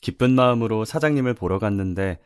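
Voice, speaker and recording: A man reading a first-person life story aloud in a steady storytelling manner. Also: lowish voice, fast, clean tone, dry recording, clean studio sound. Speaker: story reader.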